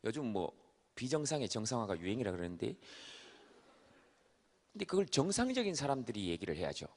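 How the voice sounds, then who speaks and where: Lively husky man in an echoing hall. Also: mid-range voice, fairly quick. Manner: animated storyteller who shouts out the quoted voices he acts. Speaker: stage talk performer. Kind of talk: comedic stage talk to a live audience. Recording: long hall reverb.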